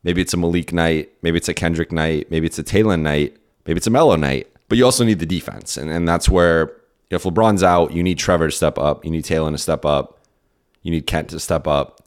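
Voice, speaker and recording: A hoarse, worn-out man hosting a solo podcast, answering listener questions in a rambling, casual way with many restarts. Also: low voice, brisk. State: hoarse, lost his voice and tired. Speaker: podcast host and basketball beat writer.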